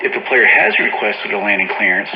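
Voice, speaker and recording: A man's voice: lowish voice, sing-song, brisk. Male tutorial narrator, procedural and matter-of-fact, reading from a script; lo-fi, echoey sound. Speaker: tutorial narrator for a flight simulator. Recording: dull, roomy lo-fi audio with faint noise.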